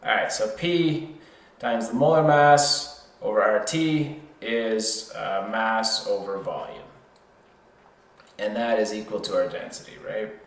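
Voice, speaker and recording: Slow-paced man tutoring, roomy echo. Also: lowish voice. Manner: informal, self-correcting, thinking aloud. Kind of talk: worked chemistry problem lesson, explained step by step. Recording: roomy, echoey sound.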